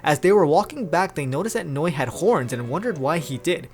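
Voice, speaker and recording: A young man hosting a fan fiction reading, moving between narration and chatty, animated reactions. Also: a little high, brisk, a little hiss or hum. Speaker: video host reading fan fiction aloud. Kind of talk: casual storybook reading with chatty commentary.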